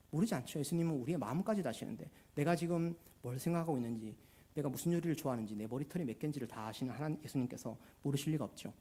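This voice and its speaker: A man's voice: a little high, mellow, slightly rough. A male pastor preaching a sermon in a church, emphatic and repeating key phrases.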